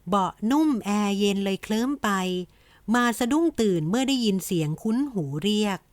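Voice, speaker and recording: Gentle woman narrating a romance novel. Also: medium pitch, lively intonation, normal speed, no echo. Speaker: audiobook narrator.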